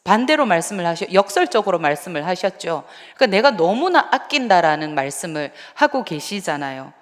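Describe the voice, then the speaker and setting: Woman preaching in a reverberant church. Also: mid-range voice. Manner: conversational, animated, asks the congregation questions. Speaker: evangelist. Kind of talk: sermon. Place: church sanctuary. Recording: long church hall reverb.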